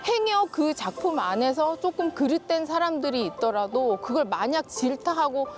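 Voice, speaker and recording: A woman's voice: sits high, expressive, moderate pace, over music. A woman guest author explaining her points expressively in a talk-show interview, often with rhetorical questions. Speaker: guest children's literature author.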